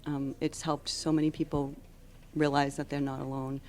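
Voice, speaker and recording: A woman giving unscripted interview answers as a charity founder, explaining earnestly and haltingly. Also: sits low, level tone, a little mellow. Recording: on-location audio with background noise.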